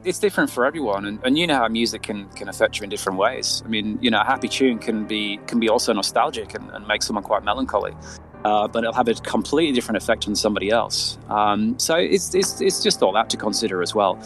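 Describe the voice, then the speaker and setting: Low-voiced man, hesitant interview guest. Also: fast, fairly bright tone, soft background music. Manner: hesitant, self-effacing, repeats words. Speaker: interviewed guest, fiction writer. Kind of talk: casual interview chat.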